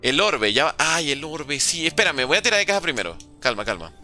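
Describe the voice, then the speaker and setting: A man's voice: a little high, big pitch swings, a little fast, bright, forceful tone, soft background music. A man streaming a video game, chatting casually with jokes and slang and answering his viewers' messages. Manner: playful, joking, slangy, reading chat aloud. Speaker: gaming streamer. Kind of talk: casual livestream commentary.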